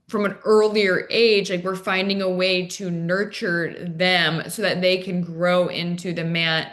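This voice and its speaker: A woman's voice: mid-range voice, fairly bright tone. A woman from Arizona with an American accent, talking conversationally as an interview guest and dating coach, casually peppering her speech with "like" and "you know". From Arizona, United States.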